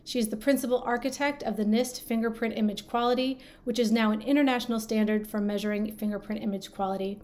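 A woman hosting an interview show, reading a guest introduction and asking questions in a measured, scripted way. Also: on the high side, steady tone, a little mellow. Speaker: podcast host.

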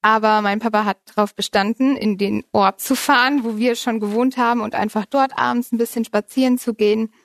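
A woman's voice: on the high side, steady tone, brisk, few pauses, dry recording. A woman in her early thirties from Germany, an interview guest telling a personal story in a conversational way and often laughing as she goes.

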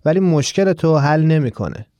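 A man voicing a fatherly middle-aged male newspaper seller who gently lectures a young customer, in an audiobook. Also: fairly high pitch, expressive, no room sound, dull audio, pitched above the performer's own voice, lightly acted. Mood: advising. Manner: gently lecturing, giving friendly advice. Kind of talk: audiobook character voice.

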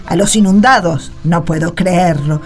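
A woman's voice: fairly low pitch, unhurried, lightly acted. A woman with an Argentine accent playing an indignant, gossipy old village lady in a radio drama, exclaiming righteously. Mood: scandalised.

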